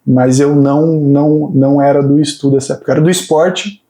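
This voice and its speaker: A man's voice: on the high side, steady tone, fairly quick, dark tone. A man in his thirties, a fitness coach, talking earnestly about his path with many hesitant restarts. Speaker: fitness coach and PhD student guest. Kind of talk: casual interview chat.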